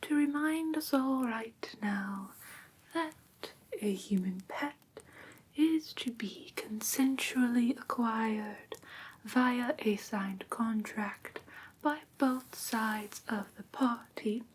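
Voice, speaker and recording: A woman voicing a prim, strict vampire teacher in a soft, breathy whisper, formal and precise, for an ASMR roleplay class. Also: fairly high pitch. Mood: prim, stern. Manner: formal, precise, deliberate, theatrically stern. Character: prim, strict female vampire teacher of human pet care. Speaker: ASMR performer.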